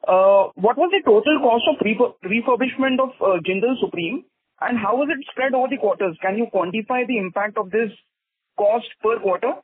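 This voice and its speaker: A man's voice: high-pitched, brisk, slightly rough, dry recording. A man with an Indian accent calling in by phone to ask polite, slightly hesitant questions on an earnings call. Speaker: caller asking questions. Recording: dry, narrow, tinny phone line.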